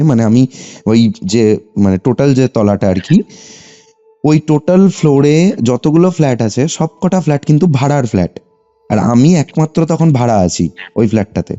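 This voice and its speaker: Over background music, a young man speaks on a muffled, lo-fi call. His voice is very mellow yet sits a little high for a man. He has a West Bengal Bengali accent and tells his story conversationally, checking often that the listener is following. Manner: animated telling, often seeking confirmation with short tags. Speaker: caller telling a personal ghost story.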